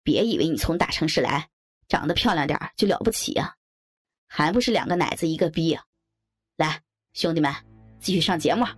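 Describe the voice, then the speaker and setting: A woman doing a crude, bullying young groom who swaggers and swears, talking in a lowered, husky voice. He sounds coarse and threatening, and the huskiness gives his voice a rough grain. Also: animated, fairly quick, long pauses, no room sound, clean studio sound. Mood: menacing.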